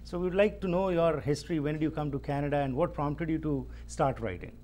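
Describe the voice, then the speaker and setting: A man hosting his own talk show, who introduces guests and asks long questions in a formal, measured way. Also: fairly high pitch, darkish tone, a little hiss or hum.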